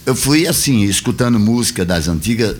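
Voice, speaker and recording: A man's voice: fairly low pitch, expressive, brisk, darkish tone, soft background music. A man, a guest singer chatting casually and repeating himself as he goes. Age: 60s. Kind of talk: casual chat.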